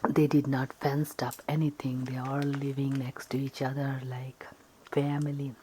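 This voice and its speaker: A woman telling an improvised ASMR story in a breathy, often whispered voice, halting between short phrases. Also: very deep voice, little pitch movement, dark tone, slight background noise, low-quality recording.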